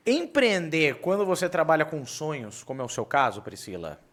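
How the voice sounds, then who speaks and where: A man's voice: on the high side, sing-song, normal speed, fairly bright tone. A man hosting an interview podcast, asking long rambling questions in a casual, conversational way. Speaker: podcast host.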